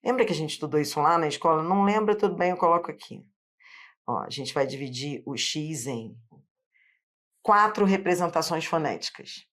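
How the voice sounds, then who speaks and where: In an online phonetics lesson at a board, a Carioca-accented Brazilian Portuguese teacher from Rio de Janeiro patiently breaks things down step by step. Her low voice is animated and fairly bright, at a normal speed.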